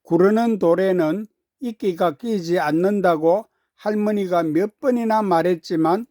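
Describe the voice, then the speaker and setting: A woman's voice: lowish voice, mellow, dry recording, studio quality. A woman storyteller narrating a children's story from a script.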